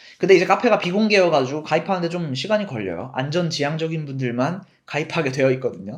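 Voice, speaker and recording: A man's very fast, high-pitched speech with lively intonation over a quiet background. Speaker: personal finance YouTuber, former bank teller. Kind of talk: finance explainer video.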